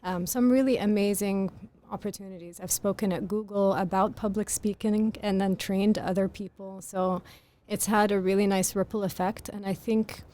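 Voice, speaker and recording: A woman with a very soft voice speaks as a podcast guest. She explains her ideas in an earnest, articulate way, at a middle pitch for a woman. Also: steady tone, normal speed. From grew up in Greece. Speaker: author guest. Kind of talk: podcast interview.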